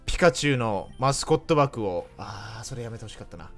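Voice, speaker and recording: A man's voice: medium pitch, lively intonation, brisk, faint music behind. A man giving casual, joking commentary while playing a video game, teasing and talking to himself and his viewers. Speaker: game streamer. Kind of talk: joking let's-play commentary.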